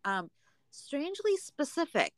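A woman's voice: high-pitched, sing-song, unhurried, no room sound. An American woman co-hosting a podcast in a casual, conversational recap style. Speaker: podcast co-host.

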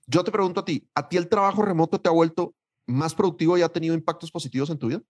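Animated Mexican man, slangy podcast host. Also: fairly high pitch, racing. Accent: Mexican Spanish. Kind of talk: casual podcast chat.

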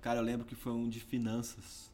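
A man with a Brazilian accent, a podcast guest telling his story in an animated, casual way. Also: medium pitch, fairly quick. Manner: animated, peppers speech with "cara" and "entendeu".

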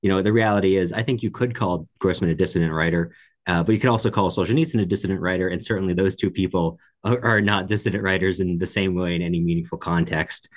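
Male book podcast co-host, low register, conversational and analytical, careful with his qualifications. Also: steady tone, fast.

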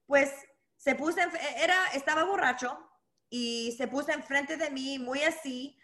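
High-pitched woman boxing coach, talks in stops and starts, slips english words in. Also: bright, forceful tone. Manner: halting, many restarts, mixes English words. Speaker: interview guest, boxing coach. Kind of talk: conversational interview.

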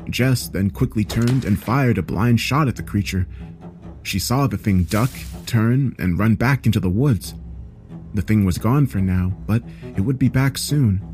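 Low-pitched man narrating horror over music. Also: a little mellow. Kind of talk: scripted horror story narration. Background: background music.

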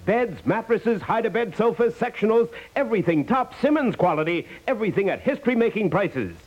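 Very high, excitable radio ad man. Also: brisk. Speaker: commercial announcer. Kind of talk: 1950s radio advertising pitch. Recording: muffled 1950s radio recording.

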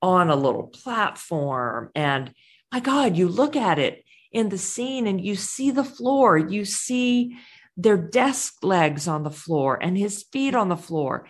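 A woman co-hosting a casual movie podcast, chatting and telling stories with lots of enthusiasm. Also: takes it slowly. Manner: animated storyteller, puts on high squeaky voices when quoting. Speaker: podcast co-host. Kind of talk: casual chat.

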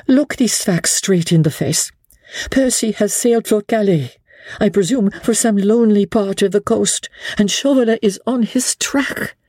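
A woman's voice: mid-range voice, warm tone, breathy edge, dry recording, studio quality, voice pushed up. A woman voicing an earnest, desperate English lady in a dramatic audiobook, urgent and resolute as she pleads.

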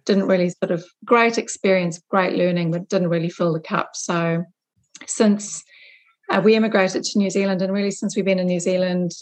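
A middle-aged woman from Zimbabwe with a fairly low voice speaks as a guest in an interview. She is a business owner giving conversational answers about herself and her work. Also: poor audio.

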